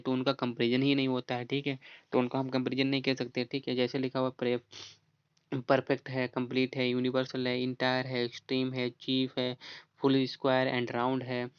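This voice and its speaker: Man, teacher, monotone, smooth clear voice, dull dry recording. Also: mid-range voice, no room sound. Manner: explanatory, repeats "theek hai?" often, reads rules slowly. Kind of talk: exam-prep grammar lesson.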